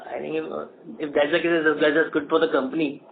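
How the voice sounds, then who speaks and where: A man with an Indian accent and a slightly high voice. He answers financial questions as a company executive. It comes through a phone line with faint noise. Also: little pitch movement, brisk, vocal fry. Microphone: telephone conference call. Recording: noisy narrow phone line.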